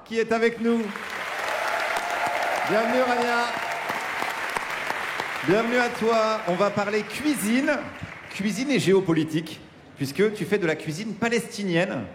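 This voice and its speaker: A man hosting a live radio interview on a festival stage, asking loose, chatty questions with restarts. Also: high-pitched. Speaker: radio show host. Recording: echoey live stage with loud crowd noise. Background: crowd and ambience.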